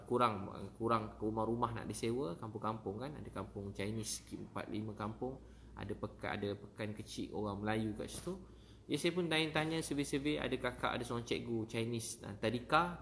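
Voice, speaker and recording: A man's voice: mid-range voice, fairly bright tone, slight background noise. A man with a Malaysian accent, a preacher telling a story in a casual livestream talk and greeting viewers by name.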